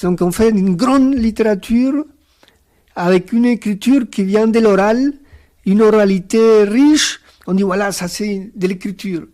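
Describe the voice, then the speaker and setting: A man whose first language is Spanish, speaking on a round-table panel as a guest author, thoughtful and hesitant with many pauses and fillers. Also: high voice, mellow. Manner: reflective, philosophical.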